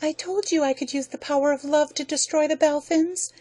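A woman's voice: sits high, fairly even intonation, fairly quick, darkish tone, no room sound, voice pushed up, close to an everyday voice. A woman doing a sugary scheming young woman. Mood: triumphant.

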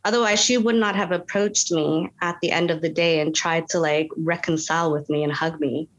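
A woman's voice: deep voice, fairly quick, muffled recording. A woman from Canada, a guest actress in a casual interview, telling stories animatedly with lots of "like" fillers and acted-out quotes. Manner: animated, frequent "like" fillers, quotes people in voices.

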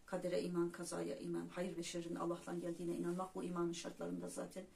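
A woman hosting her own spiritual vlog, talking in an unhurried, personal way and pausing on fillers as she speaks to her viewers as friends. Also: lowish voice, monotone, creaky, a little mellow. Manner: hesitant fillers between phrases. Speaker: YouTube channel host. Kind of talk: casual spiritual vlog monologue. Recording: distant mic with faint background noise.

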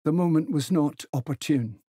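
Male reader as a prim literary gentleman, stiff, affected, easily affronted, raised husky voice, audiobook dialogue. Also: mid-range voice, steady tone, measured pace, no room sound, studio quality, voice pushed up.

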